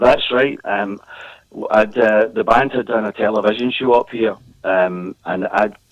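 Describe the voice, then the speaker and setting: A man with a Glaswegian accent, fairly low in pitch, at a fairly slow pace with fairly even intonation. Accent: Glaswegian Scottish. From Scotland, Glasgow. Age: 60s. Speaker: singer. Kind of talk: interview.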